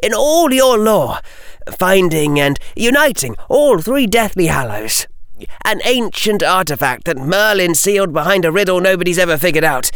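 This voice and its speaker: A man's voice: lively intonation, normal speed, fairly bright tone, smooth, no echo, studio quality. A man voicing an urgent, earnest boy wizard. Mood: pleading. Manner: urgent, pleading, raised pitch.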